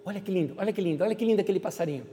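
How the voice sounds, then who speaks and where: A man doing a gentle coaxing teacher. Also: high-pitched, rapid-fire, long reverb tail, a little hiss or hum, lightly acted. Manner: soft, coaxing, repeating invitations.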